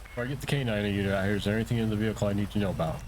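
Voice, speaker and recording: A man with a fairly deep voice talks viewers through a video game. His delivery is casual and conversational, feeling its way through phrases without hurry. There is audible background noise. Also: steady tone, racing, a little mellow, low-quality recording. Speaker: streamer and tutorial host, playing a police officer. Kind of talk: casual tutorial and game roleplay commentary.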